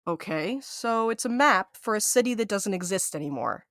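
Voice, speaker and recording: A woman's voice: medium pitch, lively intonation, moderate pace, fairly bright tone, dry recording. A brash sardonic young woman, foul-mouthed type, podcast drama, close dry sound. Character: blunt, sarcastic, foul-mouthed young postal worker. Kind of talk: naturalistic audio drama acting.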